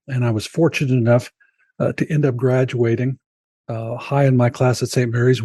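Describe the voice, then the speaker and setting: An older man, around sixty, shares a personal story as a podcast guest. His voice is mellow and slightly raspy, recorded dry and close on the mic. He speaks earnestly and reflectively, turning to the host by name. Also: mid-range voice, dry recording.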